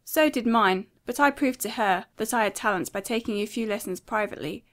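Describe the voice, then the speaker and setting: A woman's voice: a little high, a little fast, pitched above the performer's own voice, natural voice. A woman acts out a genteel young lady from a storybook. She is gracious yet condescending and sure of herself, and speaks in a raised, ladylike register. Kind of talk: audiobook character dialogue.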